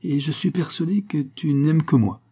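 A passionate young gypsy woman, jealous and quick to flare, her voice lifted high, as a male reader puts her on. The tone stays dark and mellow, with a husky edge under it. Heard as a storybook character in an audiobook. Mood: fervent, jealous.

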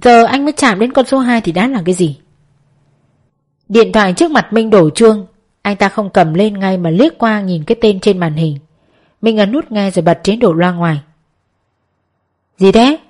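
Woman reading a novel aloud, steady, middle pitch, audiobook narration. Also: normal speed. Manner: steady storytelling.

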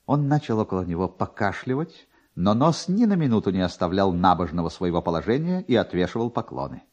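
Male narrator for classic prose: low, husky voice, theatrical delivery with sweeping intonation. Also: a little fast, dull audio. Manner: theatrical, expressive. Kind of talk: dramatic literary narration.

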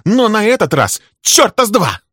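A man reading an audiobook, voicing a furious scorned woman who shouts her accusations. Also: medium pitch, brisk, breathy edge, dry recording, clean studio sound, voice pushed up, close to an everyday voice.

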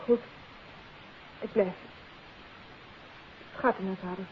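A woman's voice: medium pitch, fairly even intonation, takes it slowly, natural voice. A woman playing a guarded, independent young daughter in a 1950s radio play, defiant and reluctant in clipped replies. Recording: tinny, hissy 1950s radio recording.

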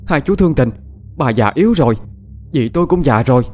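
A man's voice: mid-range voice, lively intonation, a little fast, voice pushed up, lightly acted. A man voicing an anxious middle-aged woman who pleads and stammers. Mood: pleading. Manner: pleading, stammering, rustic address.

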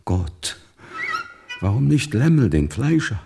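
An actor in a radio play voicing an old Jewish teacher, despairing, bitter and defiant toward God, with a gravelly, husky voice. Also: male voice, fairly low pitch, sing-song, slow, music in the background, heavily acted. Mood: anguished, loud. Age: 60s or older.

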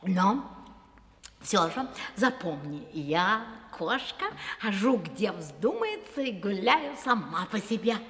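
An actress voicing a proud, independent female cat who teases with drawn-out meows, in a vintage studio radio play. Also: mid-range voice, big pitch swings, a bit bright, big-room sound. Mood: sly. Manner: purring, teasing, drawn-out meows.

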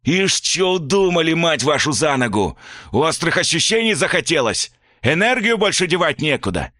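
A man playing a furious shouting father. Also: big pitch swings, moderate pace, no room sound, clean studio sound. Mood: enraged. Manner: shouting, scolding, high and strained. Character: furious middle-aged father, loud and coarse.

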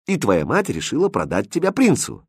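A sly court jester teases in a husky, lively voice, put on by a male reader. His tone is playful and mocking, dry and close to the mic. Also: on the high side, moderate pace, dry recording, voice pushed up, heavily acted. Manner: teasing, playful. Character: jester, mocking clever grown man.

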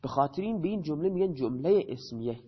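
This male teacher's fairly high, slightly rough voice has lively intonation as he explains grammar, answering his own questions and saying each key term slowly again. The sound is dull and low-fidelity.

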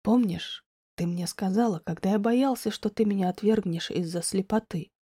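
A young man with a gentle, coaxing voice, dropped well below the reader's own and kept hushed, as a woman reads him in an audiobook. He sounds mellow and close, with a dry, intimate tone. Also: moderate pace, breathy edge, no room sound, close to an everyday voice. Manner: soft, low and coaxing. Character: tender, insistent young man.

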